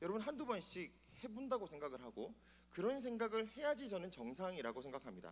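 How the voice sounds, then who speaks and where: A high-pitched man with a strong Gyeongsang accent speaks with very wide pitch swings. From Gyeongsang region, Korea. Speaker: church lecturer. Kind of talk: lecture. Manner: fast.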